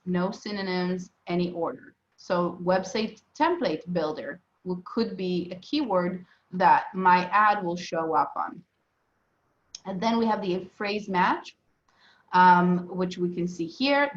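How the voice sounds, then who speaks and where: Low-voiced Southern woman teaching a class. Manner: casual, many fillers and restarts. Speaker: instructor. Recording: echoey, muffled room sound.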